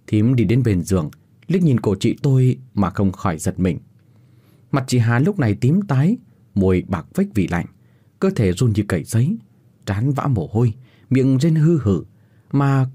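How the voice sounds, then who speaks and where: A man narrating a first-person horror story in a dramatic, expressive way. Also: medium pitch, breathy edge.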